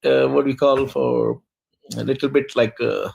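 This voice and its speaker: Man, halting mixed-language chat. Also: medium pitch, steady tone, vocal fry, darkish tone. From Pakistan. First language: Urdu. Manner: halting, many fillers, mixes English and Malay. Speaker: guest on live stream. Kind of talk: casual chat.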